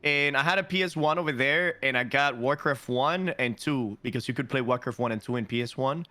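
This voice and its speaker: A man from Cuba co-hosting a podcast, telling stories in an animated, casual way. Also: mid-range voice, a little fast. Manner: animated, informal storytelling. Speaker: podcast co-host.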